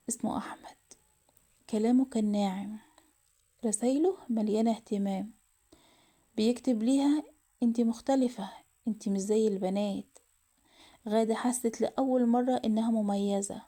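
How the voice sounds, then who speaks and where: A woman's voice: fairly high pitch, steady tone, brisk, pauses often, warm tone. A woman with an Egyptian accent narrating a moral family story, emotional and often half-whispered. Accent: Egyptian Arabic.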